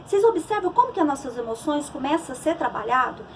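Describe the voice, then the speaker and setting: A woman's voice: high voice, big pitch swings, quick pace, far from the mic, slight background noise. A middle-aged woman psychologist with a Brazilian Portuguese accent, giving a conversational church talk on emotions with many restarts and fillers.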